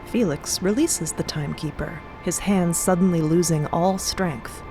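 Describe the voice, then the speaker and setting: A woman's voice: lowish voice, a little slow, low-quality recording. A woman narrating a scripted audio drama as a storyteller. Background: music bed.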